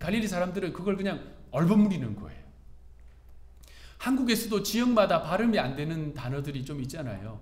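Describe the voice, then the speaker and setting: A man's high voice with very wide pitch swings and big swings in loudness, fairly quick in pace yet broken by long, frequent pauses, with audible room echo. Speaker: pastor. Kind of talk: sermon.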